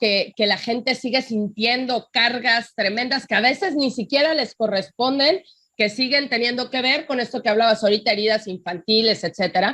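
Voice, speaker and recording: In a normal speaking voice, a woman with a fairly high pitch talks at a fairly slow pace with ordinary pitch variation. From Mexico. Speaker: psychologist. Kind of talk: casual panel discussion.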